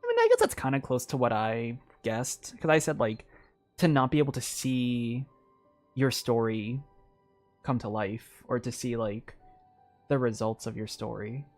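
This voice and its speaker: A man's voice: mid-range voice, sing-song, measured pace, a little mellow, faint music behind. A man streaming a game and chatting, rambling with lots of filler words. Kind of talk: live gameplay commentary.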